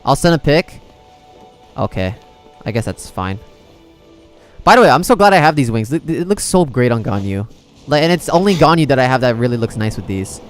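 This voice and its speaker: A man's voice: medium pitch, very animated, brisk, pauses often, soft background music. A man livestreaming a video game, chatting casually with viewers and rambling as he thinks aloud.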